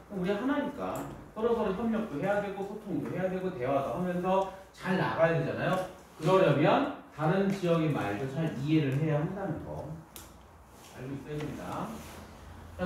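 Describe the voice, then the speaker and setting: A man's voice: sits high, a little mellow. Guy teacher chatting through a lesson, bouncy voice, faint room hiss. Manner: informal, questions students, banter. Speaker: high school teacher. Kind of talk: classroom lecture. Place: classroom. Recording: echoey classroom from far off.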